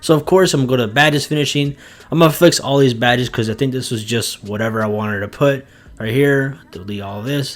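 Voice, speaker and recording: Over noticeable background noise, a man with a medium pitch and ordinary pitch variation talks at a very fast pace. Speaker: gaming YouTuber. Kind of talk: tutorial. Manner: casual.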